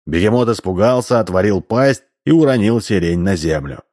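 Low-voiced male audiobook narrator. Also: expressive, normal speed, darkish tone. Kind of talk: scripted narration.

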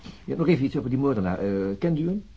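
An actor playing a methodical, middle-aged police chief inspector in a radio drama, matter-of-fact and probing, with a husky voice. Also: male voice, medium pitch, lively intonation, rapid-fire. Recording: dull lo-fi radio drama recording.

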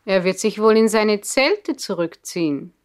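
A woman's voice: mid-range voice, lively intonation, a little slow, lightly acted. An actress playing a caring, practical noble mother in a German radio play from the 1960s. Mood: concerned, practical.

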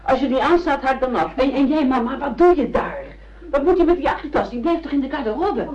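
A woman's voice: sits high, brisk, a crowd in the background, natural voice. A woman playing a cheeky, coaxing daughter in a naturalistic radio drama. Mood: scolding. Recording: dull radio-play recording.

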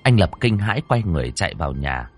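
Husky low-voiced man telling a ghost story. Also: fast. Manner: suspenseful, lively storytelling. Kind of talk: dramatic ghost story narration.

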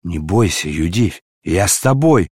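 A man's voice: low voice, animated, unhurried, darkish tone, slightly rough, no room sound, clean studio sound, exaggerated voice. A man reading aloud and voicing an earnest young man comforting his beloved. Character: hot-tempered man, tender toward his beloved.

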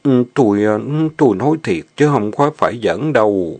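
Man doing a shy stammering farmhand, lovesick, fairly low voice. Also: lively intonation, moderate pace, a little mellow. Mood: hesitant. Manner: stammering, hesitant. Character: bashful young male farmhand, lovesick.

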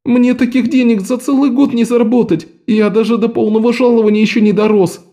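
A man doing a high, whimpering errand boy. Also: steady tone, a little fast, dark tone. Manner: whimpering, pleading. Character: young male thief faking a sobbing errand boy.

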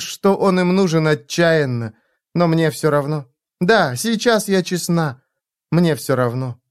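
A man's voice: on the high side, clean tone. A man voicing a blind, proud, vengeful young woman in a dramatic audiobook reading, with an intense, defiant delivery.

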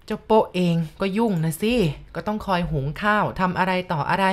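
A woman reading out a fussy, talkative old village grandmother who exclaims loudly when startled. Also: mid-range voice, brisk, close to an everyday voice. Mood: chatty.

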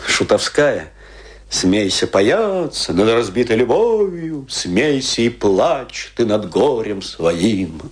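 A man playing a disillusioned, drunken provincial stage actor, self-mocking and brooding, in a theatrical radio drama monologue that rambles with pauses. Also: lowish voice, slightly rough, full character voice. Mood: bitter, anguished.

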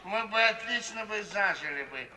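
An actor playing a coarse, cynical middle-aged baronet, blustering and pushy, in a 1950s radio play. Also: male voice, high voice, lively intonation, normal speed, bright, forceful tone, exaggerated voice. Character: coarse, cynical rich baronet in his late forties. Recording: distant, reverberant 1950s recording with hiss.

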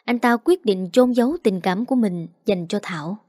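Woman telling a drama story, mellow dark voice, dry close mic. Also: mid-range voice, normal speed, no echo. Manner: voices every character herself. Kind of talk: scripted story narration.

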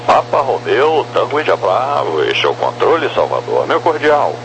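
A man's voice: mid-range voice, wildly swooping pitch, moderate pace. A man with a Brazilian accent giving air traffic control instructions over a helmet radio. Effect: aircraft helmet radio. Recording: noisy aviation radio with hum.

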